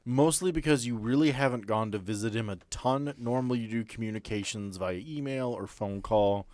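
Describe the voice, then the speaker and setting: A man acting as game master, narrating a tabletop role-playing game in a deliberate, descriptive way with pauses mid-sentence. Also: medium pitch, a little mellow, no room sound. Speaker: game master and host of an actual-play podcast. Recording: background music under the voice.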